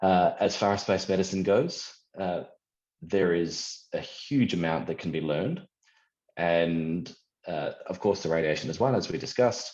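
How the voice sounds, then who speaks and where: In an Australian accent, a man talks with a very deep, low pitch and lively intonation. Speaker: space industry business developer. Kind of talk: interview.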